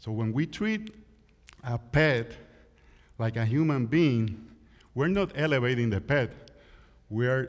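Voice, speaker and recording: Speaking in a Puerto Rican accent, a man uses lively intonation at a fairly slow pace, with long, frequent pauses. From Puerto Rico. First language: Spanish. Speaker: visiting preacher. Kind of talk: sermon. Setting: church.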